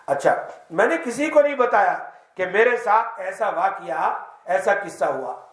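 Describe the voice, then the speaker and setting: A very high-pitched man gives a mosque lesson, acting out the story in the first person. He keeps stopping to quiz his listeners. The sound rings around an echoey mosque hall. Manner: lively storytelling, quizzes the audience; tells the tale in the first person. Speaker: Islamic teacher.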